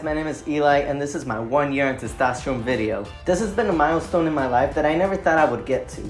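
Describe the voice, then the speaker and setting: A young trans man talking casually and reflectively in a vlog update, with many "like" and "um" fillers. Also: fairly high pitch. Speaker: vlogger.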